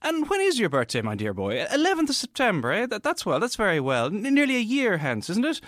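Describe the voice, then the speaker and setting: An elderly, reclusive gentleman scholar for an audio drama. He is eager and fussy, stammering and repeating himself, with pitch that leaps about wildly in a very dry, close recording. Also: huge pitch swings, fairly quick, dry recording, exaggerated voice. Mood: eager, dithering.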